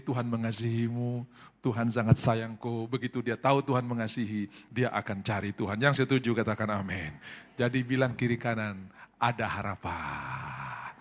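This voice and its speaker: A man pastor preaching a sermon at a church service, exhorting and telling stories to the congregation. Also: medium pitch. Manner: exhorting, addresses the congregation directly, storytelling.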